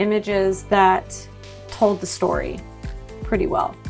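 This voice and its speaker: A woman speaks at a very slow pace with an American accent. Music plays in the background. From Southern California. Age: 40s. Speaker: commercial photographer. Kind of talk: photo editing tutorial talk. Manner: casual.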